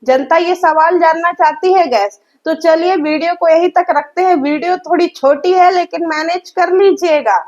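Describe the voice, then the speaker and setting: Female reaction vlogger, high voice, sore throat, scolding and sarcastic; lo-fi dull recording. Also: moderate pace, few pauses, darkish tone. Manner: mocking, scolding, addresses viewers as guys. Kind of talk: roast reaction commentary.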